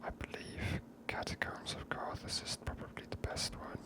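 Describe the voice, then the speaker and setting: A host whispering an ASMR game commentary in a hushed, unhurried way, musing aloud close to the microphone. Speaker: gaming video host.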